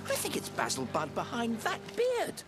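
A woman's voice: on the high side, wildly swooping pitch, normal speed. A woman voicing a polite, earnest and stubborn young bear in a children's cartoon. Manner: polite, earnest, literal-minded. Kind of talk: animated children's cartoon acting. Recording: music under the voice.

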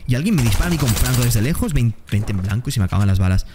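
A man giving excitable, slangy commentary while playing a game. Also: mid-range voice. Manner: excitable, slangy, quick exclamations to opponents. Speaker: gaming streamer. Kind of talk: gameplay commentary. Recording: gameplay noise and gunfire behind.

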